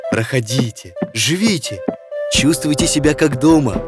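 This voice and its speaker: A man voicing a brave, earnest young village lad, the hero of an animated fairy tale. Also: medium pitch, moderate pace, over loud music, natural voice. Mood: resolute.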